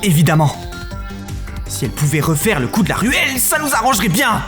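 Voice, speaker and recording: A man playing a young, quick-thinking action hero, blunt and urgent, in a visual novel with music behind. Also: high voice, sing-song. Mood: tense, urgent. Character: young male hero, brash, quick-thinking gunslinger and pilot.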